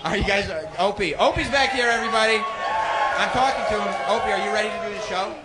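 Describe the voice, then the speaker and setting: On stage at a live event, a high-pitched man works as a warm-up host, trading casual, teasing banter at a quick pace. Crowd noise from the audience fills the live venue recording.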